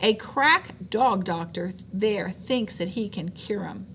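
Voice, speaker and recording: At a fairly slow pace, a woman uses a rumbling, put-on character voice at a medium pitch over clear background noise. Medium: read story. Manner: grumbling, coarse.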